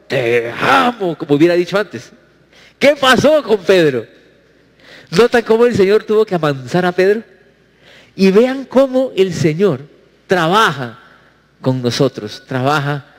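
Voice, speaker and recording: Preaching man in a reverberant hall. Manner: rhetorical questions to the congregation, sweeping pitch swings. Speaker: pastor. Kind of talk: sermon.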